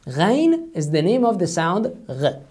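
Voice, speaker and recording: His voice is high-pitched and a little mellow, swinging hugely in pitch, as he patiently teaches an online language lesson that was recorded. Each sound gets repeated slowly, several times over, to show how it's said.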